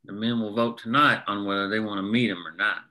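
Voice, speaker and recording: Man playing a bright, resolute coal miner. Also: lowish voice, steady tone, fast. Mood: firm, rallying. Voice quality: folksy rural working-class diction. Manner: plain-spoken, persuasive. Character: earnest, resolute male coal miner rallying fellow workers. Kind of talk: table-read acting.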